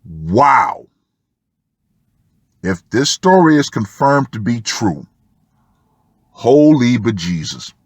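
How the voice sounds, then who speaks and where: A man giving opinion commentary as an online host, emphatic and fond of dramatic pauses. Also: medium pitch, big pitch swings, husky, no echo. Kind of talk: opinion commentary on a Reddit post.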